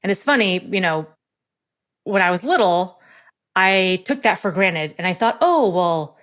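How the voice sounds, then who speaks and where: A woman's voice: mid-range voice, expressive, unhurried, fairly bright tone. A middle-aged woman, an executive coach, chatting as a guest in an interview, friendly and thoughtful, laughing easily. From born in South Korea, raised in the United States. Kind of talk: casual interview conversation.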